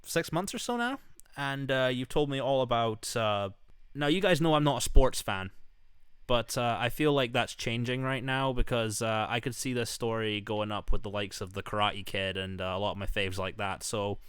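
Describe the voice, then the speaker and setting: Man from Scotland, podcast host, smooth, dry close sound, casual and sweary. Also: mid-range voice, moderate pace, a bit bright, no echo. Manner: loose, sweary, self-mocking. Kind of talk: casual interview chat.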